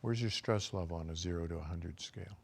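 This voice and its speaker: An older man, a physician, giving a calm, measured health lecture and guiding listeners through self-assessment questions. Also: deep voice, vocal fry, slightly rough.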